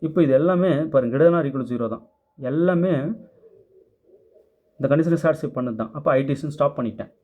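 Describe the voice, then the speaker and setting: A man's voice: on the high side, a little fast, long pauses, a little mellow. A man teaching maths, going through a worked problem step by step and answering students' doubts, mixing English terms into his speech. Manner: methodical, step-by-step, mixes English terms into Tamil. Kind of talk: explaining worked problems in class.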